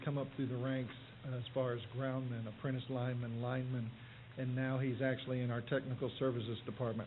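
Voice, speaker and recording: A man talks at a medium pitch in monotone, flat intonation. Audible room echo surrounds his voice. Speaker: electric department manager. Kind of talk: award presentation speech. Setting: city commission meeting.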